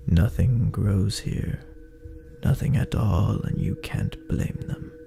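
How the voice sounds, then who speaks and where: A man narrating a dark horror story in a brooding, theatrical, gravelly voice that often drops toward a breathy near-whisper. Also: on the low side. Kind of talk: dramatic horror story narration in second person.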